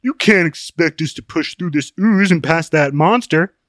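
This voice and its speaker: A man's voice: on the high side, expressive, moderate pace, dry recording, studio quality, pitched above the performer's own voice, lightly acted. A man voicing a pompous, fearful male traveling companion who complains dramatically in an audiobook story. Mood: anxious complaint.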